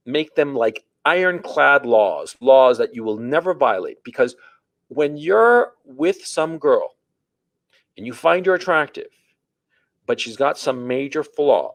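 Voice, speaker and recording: A man in his forties, a podcast host, telling a story and giving dating advice in a blunt, crude, animated way. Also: medium pitch, dry recording. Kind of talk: casual dating-advice talk.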